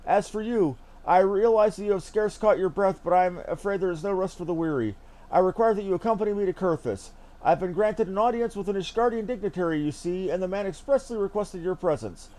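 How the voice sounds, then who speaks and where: A man's voice: high-pitched, a little fast, darkish tone, pitched above the performer's own voice, lightly acted, rough recording. A man voicing a formal, courteous young noble commander from a fantasy game, with eloquent old-fashioned diction. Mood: brisk, cordial. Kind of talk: reading fantasy game dialogue aloud in character.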